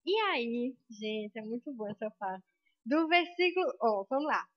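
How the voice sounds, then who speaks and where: A woman's voice: on the high side, lively intonation, a little slow, no echo, dull audio. A young Brazilian woman preaching a sermon in a church with a Brazilian Portuguese accent, impassioned and building to emphatic peaks.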